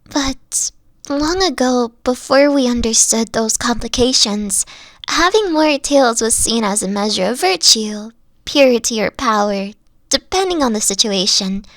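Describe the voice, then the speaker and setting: A woman voicing a gentle, thoughtful fox-girl girlfriend in an audio roleplay, speaking softly and hesitantly into a close mic. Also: on the high side, animated, a little slow, no echo. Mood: reflective. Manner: soft-spoken, hesitant, explains carefully. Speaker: voice actor.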